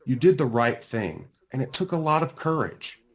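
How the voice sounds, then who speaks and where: A man voicing a kindly, reassuring school counselor in a storybook, measured and encouraging. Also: medium pitch, big pitch swings, close to an everyday voice.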